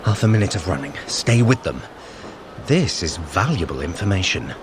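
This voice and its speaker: An actor playing a sly trickster god in an audio drama, coaching a runner with commanding, hushed urgency. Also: male voice, low voice, very animated, moderate pace, a little hiss or hum. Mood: watchful, instructing. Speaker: workout guide.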